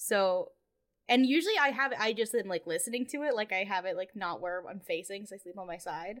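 A woman talks at a fairly quick pace in an animated tone. Her intonation is lively. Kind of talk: casual chat.

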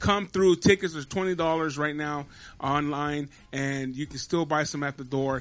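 In an unremarkable speaking voice, a man with a fairly high pitch speaks at a fairly slow pace, his intonation fairly even but his loudness swinging widely. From Southern California. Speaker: radio personality and podcast co-host. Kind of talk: casual chat; promo announcement.

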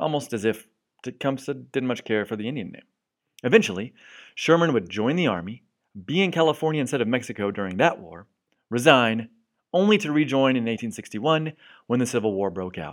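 A man's medium-pitched voice with an American accent, fairly quick yet with long, frequent pauses, very wide pitch swings and big swings in loudness, on a very clean recording with a silent background. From US South, northern Georgia. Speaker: history podcast host. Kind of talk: scripted narration.

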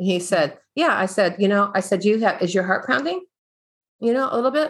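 Against a quiet background, a woman with an American accent speaks at a fairly quick pace, medium in pitch with lively intonation. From US Midwest. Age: 60s. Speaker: wellness coach and doctor. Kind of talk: interview conversation. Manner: animated.

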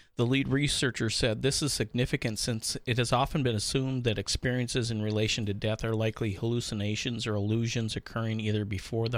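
A man with a plain, everyday voice speaks at a fairly quick pace and a medium pitch. His intonation stays fairly even, and the recording is very clean with a silent background. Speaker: podcast host. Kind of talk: casual chat.

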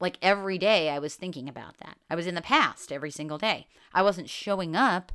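Speaking at a fairly quick pace, a woman with a medium pitch uses a bright, sharp, animated tone on a very clean recording with a silent background. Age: 30s. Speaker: health and mindset coach, podcast host. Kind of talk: solo podcast monologue.

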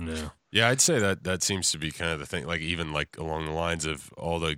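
With a very deep, low pitch and vocal fry, a man speaks in a bright, sharp tone and fairly even intonation, the sound dry and close with no echo on a very clean recording with a silent background. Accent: American. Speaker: podcast co-host. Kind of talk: casual chat.

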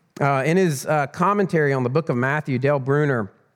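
Talking fairly quickly in a Southern US accent, a man at a medium pitch uses lively intonation in a very clean recording with a silent background. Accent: Southern US (Georgia). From US South, northwest Georgia (Cartersville). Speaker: deacon. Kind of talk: sermon. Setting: church. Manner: halting, many fillers.

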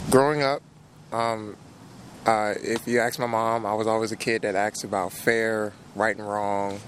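A man with a medium pitch speaks, and noticeable background noise is present. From Richmond, Virginia. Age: 20s. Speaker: protester. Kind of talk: casual interview. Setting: outdoors.

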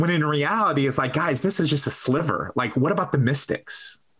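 A man with an American accent uses a plain, everyday voice, fairly high in pitch, with ordinary pitch variation at a moderate pace. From Texas. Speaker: podcast host. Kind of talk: casual roundtable conversation. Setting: remote call between cities.

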